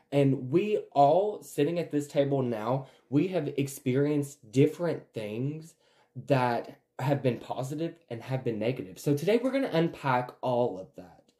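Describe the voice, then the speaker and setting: Male podcast host, 20s, mid-range voice, casual, candid and animated storyteller. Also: medium pitch. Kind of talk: casual personal chat.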